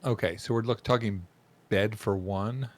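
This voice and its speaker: A man's voice: lowish voice, moderate pace. A man running a tabletop game as game master, narrating loosely and checking rules aloud. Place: home room, live stream.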